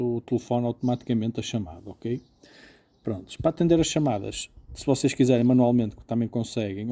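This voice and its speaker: A man's voice: medium pitch, mellow. A man with a European Portuguese accent giving a casual, informal hands-on product review, explaining things step by step. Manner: informal, explanatory, often checking with "ok?". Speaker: motorcycle gear reviewer.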